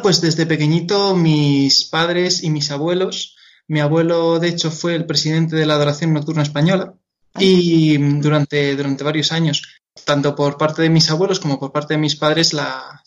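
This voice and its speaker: A man's voice: a little high, lo-fi sound. A young man in his twenties with a Madrid Spanish accent, a guest in a radio interview, speaking earnestly and hesitantly, often repeating and restarting words. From Madrid, Spain. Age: 20s. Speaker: guest singer-songwriter.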